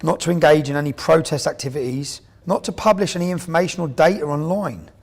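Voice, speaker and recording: A man's voice: on the high side, fast, vocal fry, breathy edge. A man interviewing people for a documentary, pressing them with probing, leading questions.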